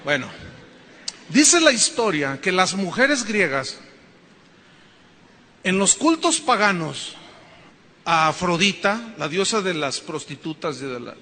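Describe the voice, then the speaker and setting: Mexican male pastor preaching in a church, high and piercingly bright, his voice ringing through the hall, joking and emphatic. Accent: Mexican Spanish. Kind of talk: sermon.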